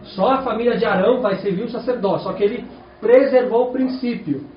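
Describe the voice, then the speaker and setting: The sermon comes from a Brazilian man whose high voice moves fairly quickly, his Brazilian Portuguese accent clear as he keeps questioning the congregation rhetorically. The church-hall recording sounds echoey, distant and dull, with slight background noise.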